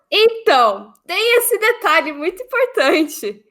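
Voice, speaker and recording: A woman uses a raised, projected voice with a bright, sharp tone and very wide pitch swings. She talks at a fairly slow pace on a very clean recording with a silent background. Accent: mineiro. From Minas Gerais, Brazil (Uberaba). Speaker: marketing professional. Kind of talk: podcast interview. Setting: live-streamed podcast.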